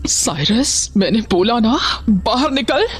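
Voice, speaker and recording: A woman's voice: on the high side, expressive, slow pace, slight background noise. An actress playing a bitter mother who harshly orders her son out of the house, in an audio drama. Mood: furious. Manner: harsh, scolding.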